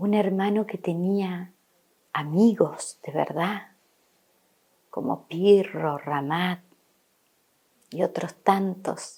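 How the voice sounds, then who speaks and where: Speaking at a very slow pace with long, frequent pauses, a woman with a medium pitch and a dark, mellow tone shows ordinary pitch variation and big swings in loudness. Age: 60s. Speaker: sibling of a disappeared activist. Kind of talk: testimony.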